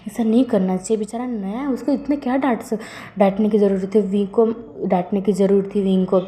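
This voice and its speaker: A woman voicing a young female coworker who softly disapproves of harsh treatment. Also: mid-range voice, fairly even intonation, a little fast, natural voice. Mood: sympathetic.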